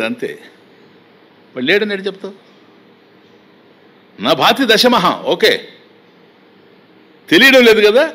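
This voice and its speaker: A man teaching a spiritual discourse, chanting verses slowly and then explaining them in a conversational way, speaking directly to his listeners. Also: a little high, a bit bright. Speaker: Vedanta teacher.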